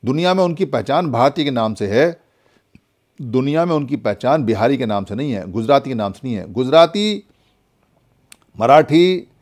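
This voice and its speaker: A man's voice: medium pitch, a little mellow. A man from India giving a spoken Buddhist lesson, preaching with many repeated rhetorical questions. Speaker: Buddhist teacher.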